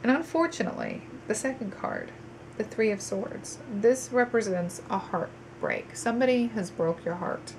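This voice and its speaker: Nasal and congested, a woman gives her viewers a monthly tarot reading, chatting with frequent ums and restarts while faint noise sits behind her. Her mid-range voice is creaky, with wildly swooping pitch at a moderate pace, and the audio is poor.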